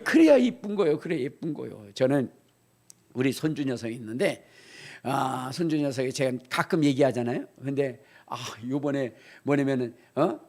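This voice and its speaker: An older male pastor preaching a sermon, telling a homely story and then building up to shouted appeals. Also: mid-range voice, moderate pace, gravelly. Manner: animated, swings from quiet storytelling to shouting.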